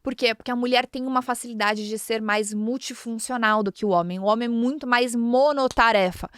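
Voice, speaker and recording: Brazilian woman, 30s, lively podcast storyteller, bright high-ish voice, dry close sound. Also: brisk, clear, resonant tone, dry recording. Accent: Brazilian Portuguese. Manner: animated storytelling, acting out little dialogues. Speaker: podcast guest speaker. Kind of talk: casual podcast talk.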